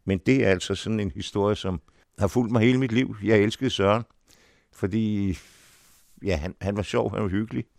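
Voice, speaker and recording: Deep, gravelly older man reminiscing. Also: a little mellow, dry recording. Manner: unhurried storytelling with small restarts. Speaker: actor, interview guest. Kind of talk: reminiscing in an interview.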